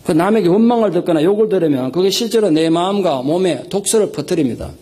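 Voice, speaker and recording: A male pastor delivers a Sunday sermon in a high, husky voice at a quick clip. He preaches with emphasis and acts out desperate prayers and stern rebukes in raised tones. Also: lively intonation, dark tone. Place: church sanctuary. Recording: live sermon recording.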